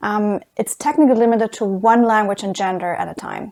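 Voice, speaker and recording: The speaker has a German accent and ordinary pitch variation. The pace is moderate. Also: woman. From German-speaking country. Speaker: tech reviewer. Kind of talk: product review.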